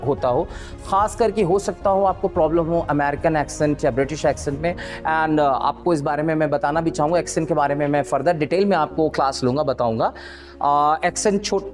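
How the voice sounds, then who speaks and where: A man's voice: fairly high pitch, a little mellow. Indian guy giving an english lesson, lots of uh and restarts, faint music underneath. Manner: code-switching, frequent fillers and restarts. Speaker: English teacher. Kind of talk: spoken English lesson in Hindi and English.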